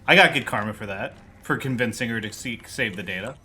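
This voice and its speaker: A man's voice: lowish voice, a little fast, bright, forceful tone, slight background noise. A young man streaming a video game, talking casually with sarcastic, profane jokes.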